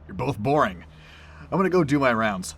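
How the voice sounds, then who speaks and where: A man's voice: medium pitch, sing-song, brisk, gravelly. An actor playing a boisterous, teasing train crewman in an audio drama, with a theatrical, chummy manner. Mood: teasing, mock-dramatic. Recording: station ambience noise behind voice.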